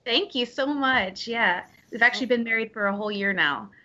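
A woman's voice: on the high side, a little fast, sharp tone, muffled recording. A woman being interviewed as a guest, chatty and bubbly, saying "like" a lot. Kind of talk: casual interview chat.

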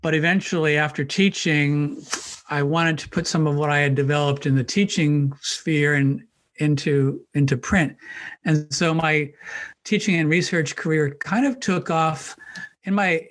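A man's voice: on the high side, steady tone, a bit bright. Thoughtful man in his sixties. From Maryland, United States. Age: 60s. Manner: thoughtful, measured, with frequent restarts and ums. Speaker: guest, New Testament professor. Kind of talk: conversational podcast interview.

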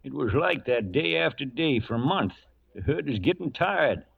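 An actor playing a gravelly, folksy old cowhand who narrates a cattle drive in a rustic drawl, in a 1940s radio western. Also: male voice, mid-range voice, very animated, moderate pace, heavily acted. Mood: weary, reflective. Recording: muffled vintage radio recording.

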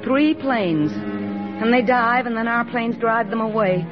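An actress playing an eager young army nurse in a 1940s radio drama, earnest and soft-spoken, on a dull old radio recording. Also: female voice, on the high side, slow, over music. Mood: narrating.

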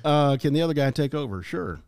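A man co-hosting a podcast, reading listener comments aloud in a halting, joking way. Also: fairly high pitch, lively intonation, a little mellow, no room sound, clean studio sound. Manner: reads haltingly, jokes about being unable to read. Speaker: podcast co-host.

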